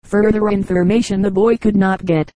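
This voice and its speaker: A woman reading a novel aloud in a steady, measured narration. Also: mid-range voice, no echo, poor audio. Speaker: audiobook reader. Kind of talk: scripted narration.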